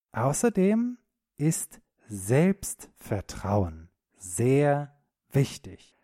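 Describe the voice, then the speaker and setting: A man hosting a podcast lesson for German learners, speaking slowly and clearly in an encouraging tone, often checking in with a quick question. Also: mid-range voice, mellow, dry recording, clean studio sound. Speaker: podcast host and German teacher.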